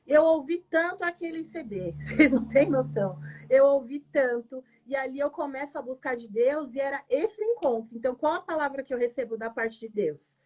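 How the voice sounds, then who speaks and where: A woman's voice: sits high, lively intonation, a little fast, a little mellow. A woman pastor tells her personal testimony in an emotional, emphatic way, often adding "né?". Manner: emotional, emphatic storytelling with frequent "né?".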